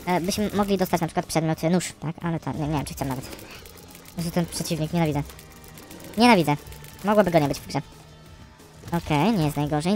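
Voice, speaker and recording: Man, gaming streamer, casual running commentary, grumbling, frustrated outbursts, faint music behind. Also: on the high side. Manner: chatty, grumbling, bursts of frustrated yelling.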